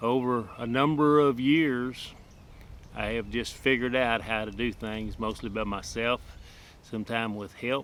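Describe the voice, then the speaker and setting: Speaking with a Texan accent, the man has a medium pitch and fairly even intonation. His delivery is at a fairly slow pace. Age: 70s. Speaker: sawmill operator and woodworker. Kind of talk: casual tutorial introduction. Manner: hesitant, with frequent fillers.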